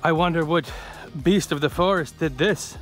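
A man's voice: a little high, moderate pace, soft background music. A male travel vlogger talking casually and joking to himself while hiking outdoors in a rainforest, recorded on a handheld camera. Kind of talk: casual solo travel vlog narration.

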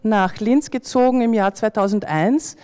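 A woman's voice: a little high, moderate pace, mellow, smooth, soft background music. A woman around forty speaking spontaneously as a panelist, into a handheld microphone on stage. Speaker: panelist, freelance performing artist. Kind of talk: spontaneous panel discussion remarks. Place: stage in a hall before an audience. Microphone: handheld microphone close to mouth.

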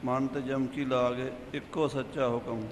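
A man's voice: medium pitch, flat delivery, measured pace. A man correcting a scripture reciter by repeating phrases for him to follow. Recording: distant voice in reverberant hall with noise.

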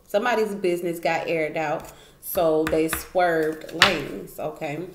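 Woman, casual tarot reader, low-ish voice, emphatic and repetitive; roomy echo, light background noise. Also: steady tone, slow pace. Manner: chatty, emphatic, repeats phrases, laughs often. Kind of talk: casual tarot card reading. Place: indoor room at a wooden table. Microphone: camera pointed down at the table, speaker off frame. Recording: echoey room, faint noise.

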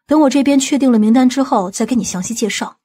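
A woman's voice: high-pitched, quick pace, warm tone, breathy edge. A woman voicing a bossy, irritable aunt in a dramatised audiobook, with a scolding, indignant manner. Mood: instructing. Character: domineering, irritable aunt of a company chairman.

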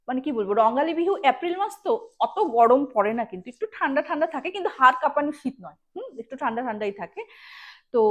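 A woman's voice: sits high, fairly bright tone. A woman of tells a ghost story casually, explaining in asides and speaking straight to her listeners. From Assam, India. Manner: conversational, explains asides and addresses listeners directly.

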